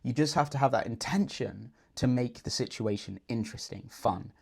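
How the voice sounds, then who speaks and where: A man's voice: mid-range voice, moderate pace, creaky, a little mellow, husky. A man working as a dating coach, confidently explaining and breaking down a client's approach. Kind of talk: video breakdown commentary.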